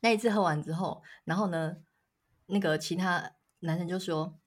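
This podcast co-host, a woman in her thirties with a Taiwanese Mandarin accent, speaks at a normal speed in a lowish voice. She tells lively stories in the casual chat, performing the quoted lines and laughing a lot.

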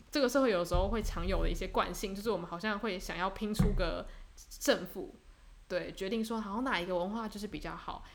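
A young woman from Taiwan co-hosting a podcast, chatting casually and reflectively, with fillers and restarts. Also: lowish voice. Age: young adult. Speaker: podcast co-host. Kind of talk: casual chat.

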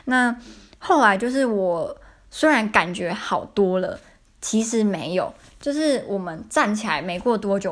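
Young woman, Taiwanese Mandarin accent, chatty podcast host, casual storyteller. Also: mid-range voice. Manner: chatty, repeats herself, many fillers.

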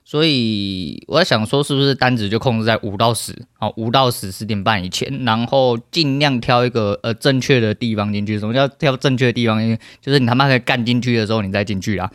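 Fast, foul-mouthed Taiwanese man ranting. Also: medium pitch, fairly bright tone, no room sound, studio quality. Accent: Taiwanese Mandarin. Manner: profane, ranting, heated. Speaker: podcast host. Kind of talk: solo podcast rant.

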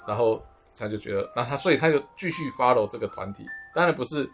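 A man's voice: medium pitch, lively intonation, faint music behind. Taiwanese-accented man chatting, repeating himself. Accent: Taiwanese Mandarin. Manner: halting, repeats words while explaining. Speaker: podcast co-host. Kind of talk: casual chat.

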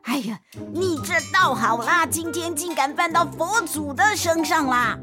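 A woman's voice: high-pitched, animated, normal speed, music in the background, voice pushed up. A woman voicing a grumpy old male temple keeper who scolds indignantly, in a children's story.

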